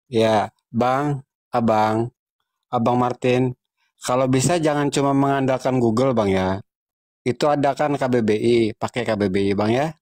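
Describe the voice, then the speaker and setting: A man's voice: mid-range voice, a little slow, long pauses, darkish tone. Pointed man correcting his opponent. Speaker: debater. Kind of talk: live religious debate.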